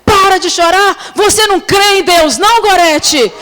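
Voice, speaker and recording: A woman's voice: very high-pitched, moderate pace, pitched above the performer's own voice. A woman putting on an urgent, scolding mother. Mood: insistent. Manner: urgent, loud and insistent. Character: devout mother scolding her daughter firmly.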